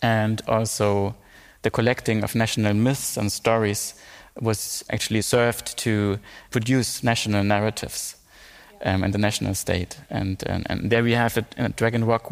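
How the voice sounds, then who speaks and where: Guy moderating a panel, lowish voice, long echoey hall, measured. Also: creaky. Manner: measured, asks guests questions. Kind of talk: panel discussion.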